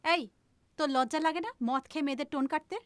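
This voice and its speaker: An actress playing an outspoken, sharp-tongued young sister in a film drama. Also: female voice, high-pitched, fast, no room sound, studio quality, lightly acted. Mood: scornful.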